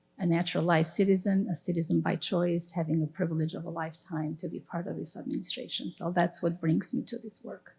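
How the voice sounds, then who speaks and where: A woman's very fast talk in a non-native accent, with hardly any pauses, a dark, mellow tone, vocal fry, ordinary pitch variation and fairly low pitch. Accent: foreign. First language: not English. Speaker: government official. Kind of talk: panel discussion.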